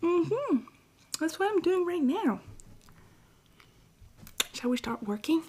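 A woman playing a friendly, patient Christmas elf helper in an ASMR roleplay, speaking softly and breathily, often in a whisper. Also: very high voice, big pitch swings, slight background noise, exaggerated voice. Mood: friendly, encouraging. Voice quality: soft, breathy, frequently whispering. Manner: gentle, encouraging, unhurried. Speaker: ASMR performer.

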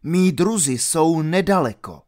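A man's voice: a little high, animated, voice pushed up, close to an everyday voice. A bold young outlaw chief with a ringing, metallic voice, as a man reads him out. He sounds daring and commanding, the hero of an adventure storybook. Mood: defiant. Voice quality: ringing, metallic when loud.

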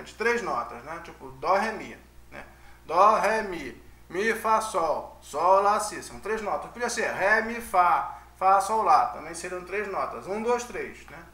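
Pushed and bright, a high-sitting male voice leads a relaxed online music lecture. The teacher chats freely, tossing in tag questions to check on his listeners, all against a roomy echo.

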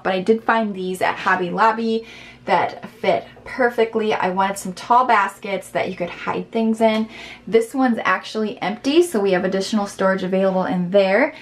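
A woman's voice: mid-range voice, moderate pace. Woman, 30s, upbeat and chatty home vlogger, handheld phone in a small room. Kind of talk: casual home tour chat. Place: small indoor laundry room. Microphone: handheld phone camera.

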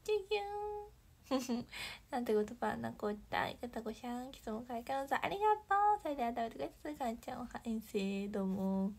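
Talking fast, a young idol livestreamer reads viewers' comments aloud and thanks them in a bubbly, warm way. Her voice is a touch high, gravelly and husky, and every so often she drops into a soft whisper for an aside.

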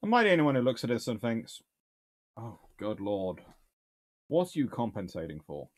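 A man's voice: mid-range voice, sing-song, normal speed. A British man in his thirties, a naval historian host, chatting casually from a book-lined home study with dry, wry asides and sudden bursts of enthusiasm. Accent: British English. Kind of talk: casual chat reviewing books and answering questions.

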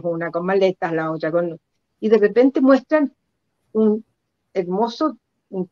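An older woman with a Chilean accent recounts personal stories reflectively in an interview, halting and repeating words for emphasis over a video call. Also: lowish voice, warm tone, no echo. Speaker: guest performance artist. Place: indoor room at home. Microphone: computer mic on a video call. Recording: dull lo-fi video call audio.

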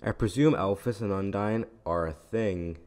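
A man's voice: lowish voice, normal speed, darkish tone, natural voice. A man reading out fan questions in a scripted comic dub.

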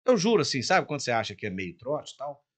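An older man from Minas Gerais with a Mineiro accent, a guest singer on a podcast, telling a story in an animated way and acting out every line of dialogue himself. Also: mid-range voice, fast talker. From Minas Gerais, Brazil.

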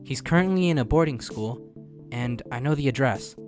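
A man's voice: mid-range voice, expressive, normal speed, close to an everyday voice. A man voicing a polite, earnest, easily flustered teenage boy in a comic fan dub. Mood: matter-of-fact narration. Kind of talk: fan-dub narration and dialogue. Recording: music behind the voice.

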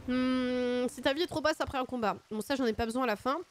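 A woman's voice: high voice, quick pace, a little hiss or hum. A woman streaming a video game with casual, self-mocking commentary, her nose stuffy from a cold. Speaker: gaming streamer.

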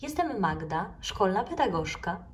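A woman voicing a kind, gentle female capybara school counselor in a children's story, soothing and unhurried. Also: mid-range voice, sing-song, recorded from a distance, slight background noise. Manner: soothing, slow, friendly.

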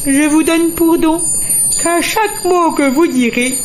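A woman's voice: extremely high pitch, measured pace, slight background noise, voice pushed up, rough recording. A woman voicing a petulant, fifteen-hundred-year-old tap fairy with a haughty manner. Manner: haughty, disdainful.

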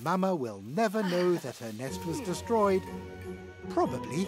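An expressive narrator for a children's cartoon, with a hugely animated pitch that swoops up and down. The delivery is unhurried and full of exclamations, as if reacting to the action as it unfolds. Loud music plays behind the voice.

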